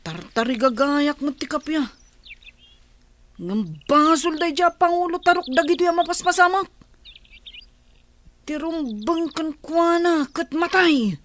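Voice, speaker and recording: A woman's voice: high-pitched, unhurried, long pauses, fairly bright tone. A woman playing a troubled, indignant young tribal woman in an Ilocano radio drama, over noisy birdsong. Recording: clear background noise with chirping birds.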